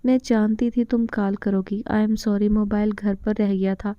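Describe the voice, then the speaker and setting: A woman reading the lines of a gentle, modest young woman in a storybook, with a slightly dull recording. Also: mid-range voice, little pitch movement, a little slow, clear, resonant tone, dry recording, close to an everyday voice. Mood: lively.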